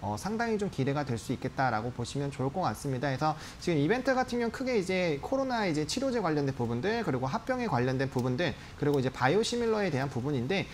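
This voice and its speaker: A man's voice: a little high, very animated, fast, hardly any pauses, a little hiss or hum. A man in his thirties giving polite, explanatory market analysis as a guest on a studio stock show. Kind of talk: live market analysis commentary. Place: TV studio desk.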